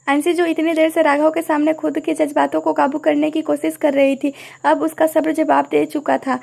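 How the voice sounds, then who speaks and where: A woman narrating a romantic audio story in an even storytelling way. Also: high-pitched, moderate pace, creaky.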